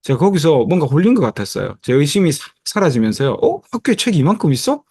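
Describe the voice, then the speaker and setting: A man's voice: on the high side, big pitch swings, fast talker, a little mellow, husky, no room sound, clean studio sound. A man in his fifties giving a motivational presentation over a video call. He tells his story with many fillers and acts out the dialogue of others. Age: 50s. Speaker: network marketing presenter.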